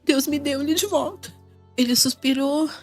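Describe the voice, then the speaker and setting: A woman's voice: sits high, moderate pace, soft background music. A woman with a Brazilian Portuguese accent giving an emotional faith testimony as a mother, crying and repeating her phrases. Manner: tearful, repeats phrases, raises voice in bursts.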